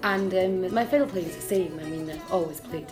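A young woman with a Scottish accent talks frankly and with a lot of ums about her life as a folk fiddler. Her voice is a little low. Folk music plays clearly underneath her. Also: moderate pace. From Scotland. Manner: frank, lively, frequent ums. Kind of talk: casual interview talk.

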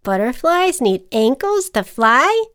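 Storybook figure: a cheeky, needling little ant, played by a woman, bright and raised, close dry sound. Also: sits high, sing-song, takes it slowly, no room sound, pitched above the performer's own voice, full character voice. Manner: sassy, needling, persuasive.

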